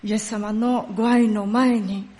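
A woman giving a sermon. She tells the story vividly and sometimes drops to a hushed tone for solemn parts. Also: medium pitch, steady tone, unhurried. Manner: storytelling, acts out quoted lines and dialects. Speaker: pastor.

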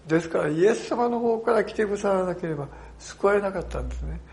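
A male pastor delivering a sermon in a storytelling manner, swinging from hushed tones to loud emphasis. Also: sits high, animated, fast, gravelly.

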